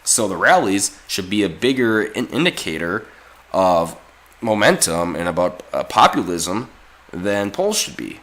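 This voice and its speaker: A man hoarse from a cold giving opinionated, informal political commentary in an emphatic, repetitive way. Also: low voice, sing-song, measured pace, fairly bright tone.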